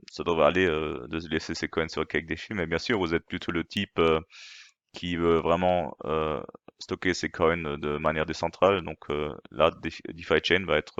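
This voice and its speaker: A man's voice: a bass voice, a bit bright, clean tone, no room sound, dull audio. A man who is not a native speaker, explaining in a casual, hesitant way with many fillers and restarts. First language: not French. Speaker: crypto channel host. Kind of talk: casual explainer translating a video.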